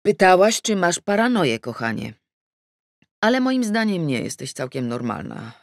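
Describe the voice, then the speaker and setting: A woman's voice: on the low side, sing-song, normal speed, dry recording, studio quality, pitched above the performer's own voice. A woman voicing a laconic, distracted fiancé absorbed in his newspaper, offhand and placating, in an audiobook. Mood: patient, teasing.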